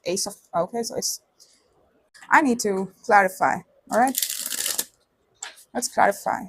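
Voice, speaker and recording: A woman's voice: mid-range voice, a little slow, slight background noise. A woman with a lisp and slushy s sounds, giving a casual, conversational tarot reading to viewers and often checking in with short tag questions. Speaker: tarot reader.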